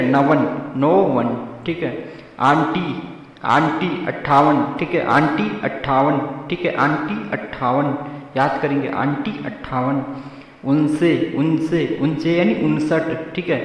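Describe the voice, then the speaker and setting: A man teaching an exam-prep lesson built on memory tricks, repeating each step and checking in with the class again and again. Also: fairly high pitch. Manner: repetitive, drilling, says "theek hai" constantly. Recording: very echoey room, mic far off.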